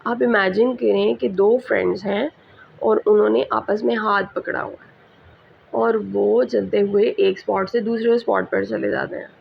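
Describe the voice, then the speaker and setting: A woman with a Pakistani English accent teaching a school English lesson, speaking slowly and repeating example words. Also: mid-range voice, fairly even intonation, vocal fry. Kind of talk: slow classroom lecture mixing Hindi-Urdu and English. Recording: slightly muffled recording with faint background hiss.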